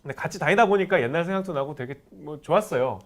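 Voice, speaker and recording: A man's voice: a little high, fast. A man in his forties, a podcast host, casually telling a long personal story in a chat. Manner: animated, rises sharply when recalling anger.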